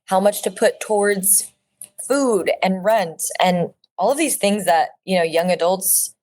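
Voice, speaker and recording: A woman's voice: medium pitch, unhurried, a little mellow. A woman in her thirties from Orange County, speaking as an actress guest in a casual interview, earnest and reflective with frequent fillers and restarts. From Orange County, California.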